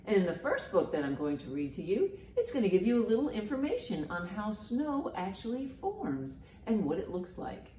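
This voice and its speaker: A woman hosting a children's storytime, reading and explaining in simple, expressive language meant for young listeners. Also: mid-range voice, moderate pace, few pauses, a little hiss or hum. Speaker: children's librarian, storytime host. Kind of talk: children's storytime, reading a picture book aloud and commenting.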